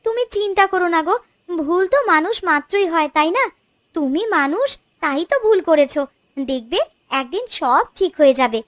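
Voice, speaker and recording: A woman playing a gentle, forgiving village wife in a cartoon melodrama, soothing and reassuring. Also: extremely high pitch, animated, normal speed, no echo.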